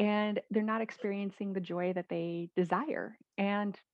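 A woman speaks with a Midwestern American accent at a medium pitch. Her pace is fairly slow. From US Midwest. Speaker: business coach. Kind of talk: interview conversation.

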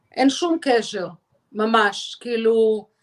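A woman's fairly high voice varies in pitch in an ordinary way. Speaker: real estate agent. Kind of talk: interview.

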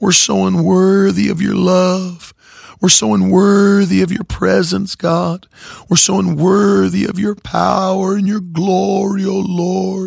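A man's high-pitched, put-on character voice at a fairly slow pace. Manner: fake, overdramatic, mocking.

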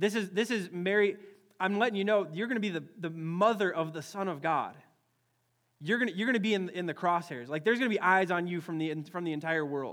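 Speaking very fast with an Upper Midwest US accent, a man has a high pitch and ordinary pitch variation. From US Midwest. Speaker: pastor. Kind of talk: sermon. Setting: church. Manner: informal, conversational, repeats words.

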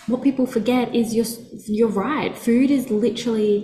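Delivered at a moderate pace, a normal speaking voice holds fairly even intonation. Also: woman. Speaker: podcast host, nutritionist. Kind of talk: casual chat.

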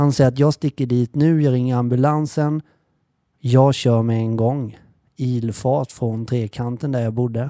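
A man's medium-pitched, dark, mellow voice, fairly slow and fairly even, with a dry, close sound and no echo. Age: 30s. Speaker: podcaster. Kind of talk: personal letter to late mother, spoken monologue. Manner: emotional, intimate.

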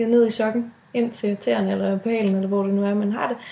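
Somewhat breathy and dark, mellow in tone, a woman speaks at medium pitch and a moderate pace with a monotone, flat intonation. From Denmark, North Jutland. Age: 20s. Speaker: student and writer. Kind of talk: interview.

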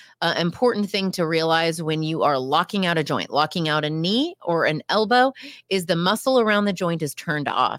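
In an unremarkable speaking voice, a woman talks at a moderate pace and a fairly low pitch with lively intonation. The recording is very clean, with a silent background, and the sound is dry and close with no echo. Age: 40s. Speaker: yoga and Pilates instructor. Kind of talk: interview.

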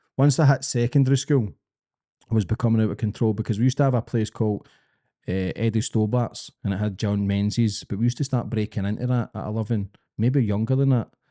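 Speaking very fast in a strong Glaswegian accent, a man has a dark, mellow tone, with a dry, close sound with no echo and a quiet background. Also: medium pitch for a man, ordinary pitch variation. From Glasgow, Scotland. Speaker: podcast host and former addict telling his life story. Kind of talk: personal storytelling in an interview, heavy swearing. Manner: animated, passionate, casual.

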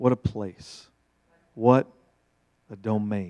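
A man's fairly low voice in an American accent, with fairly even intonation. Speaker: pastor. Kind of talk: sermon introduction and prayer. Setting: church.

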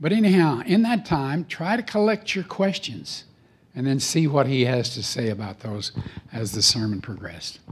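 A man speaks with very wide swings in pitch. His voice is somewhat breathy. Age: 80s+. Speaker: church elder reading scripture. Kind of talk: scripture reading and prayer. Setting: church.

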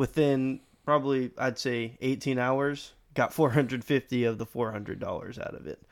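On a very clean recording with a silent background, a man with a normal speaking voice talks at a moderate pace and medium pitch, his intonation fairly even but his loudness swinging widely. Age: 20s. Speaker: fantasy football league member. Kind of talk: casual chat.

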